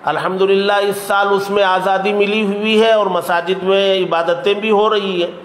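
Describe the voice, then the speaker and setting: A man speaking as a cleric at a press conference, making a formal statement in a deliberate, exhortative way. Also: sits high, level tone. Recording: echoey room with faint noise.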